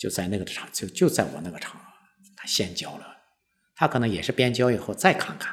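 A man's medium-pitched voice carries along at a moderate pace. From Shaanxi, China (Baoji). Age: 60s. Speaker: martial arts and qigong teacher. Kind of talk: interview storytelling. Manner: halting.

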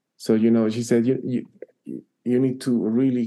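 In a Guatemalan accent, a man with a dark, mellow tone speaks at a very slow pace. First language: Spanish. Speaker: professor of math teacher education. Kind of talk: casual interview. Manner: halting, with many fillers.

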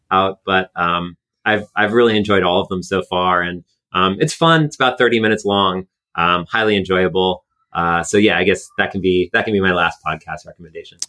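A man with an American accent speaks at a very deep, low pitch and a fairly quick pace with ordinary pitch variation. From United States. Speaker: tech startup CEO. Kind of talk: interview. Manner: hesitant, many fillers.

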